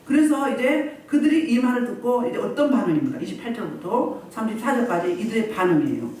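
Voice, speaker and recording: Animated woman pastor preaching in an echoey hall. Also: on the high side, fast talker. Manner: animated, acts out crowds and quotes. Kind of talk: sermon at a healing service. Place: church meeting room. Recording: echoey hall, distant mic.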